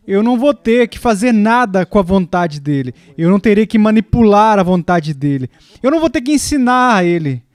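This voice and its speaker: A man voicing a dubbed sermon, emphatic and deliberate, pausing often and repeating key words. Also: sits high, a little mellow, no echo. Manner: emphatic, with deliberate pauses and repetition. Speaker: preacher's voice in a dub.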